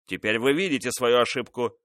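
A man's voice: medium pitch, brisk, fairly bright tone, no echo, clean studio sound, close to an everyday voice. A man voicing a proud, middle-aged king who gives commands with cold indignation. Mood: indignant.

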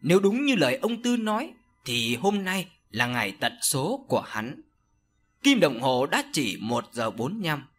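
A man narrating a horror audio story in an expressive storytelling manner. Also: a little high, unhurried, slight background noise.

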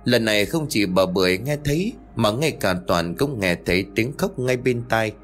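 A man narrating a horror story in a steady, suspenseful scripted way. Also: fairly low pitch, moderate pace. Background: faint music.

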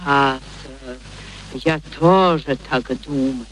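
An actress in a radio play playing a stern, proper housekeeper, formal, firm and dignified. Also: female voice, rumbling low, takes it slowly, low-quality recording. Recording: old radio recording with background noise.

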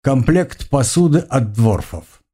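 A man voicing an excited male retainer who talks in a hushed, eager way in an audiobook. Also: medium pitch, takes it slowly, breathy edge, exaggerated voice. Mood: hushed awe.

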